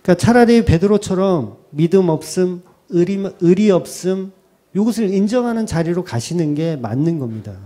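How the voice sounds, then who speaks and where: A middle-aged male pastor preaching a sermon, who acts out quoted prayers and repeats key phrases for emphasis. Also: fairly high pitch. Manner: animated preaching, acting out quoted prayers and replies.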